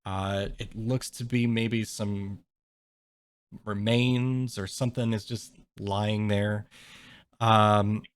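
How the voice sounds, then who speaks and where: A man's voice: lowish voice, steady tone, takes it slowly, clean tone. A man narrating a tabletop game as game master in a casual, hesitant and explanatory way.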